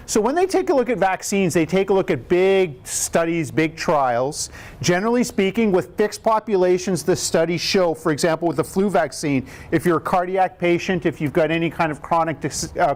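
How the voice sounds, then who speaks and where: Upbeat man hosting a health Q&A. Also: a little mellow. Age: 50s. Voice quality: booming voice. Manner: upbeat, conversational, explains plainly with rhetorical questions. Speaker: cardiac rehab educator. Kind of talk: live Q&A talk to a group.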